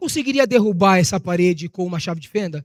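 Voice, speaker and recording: Lively intonation in a dry, close sound with no echo, on a very clean recording over a silent background. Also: man. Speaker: preacher. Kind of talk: sermon. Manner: fast.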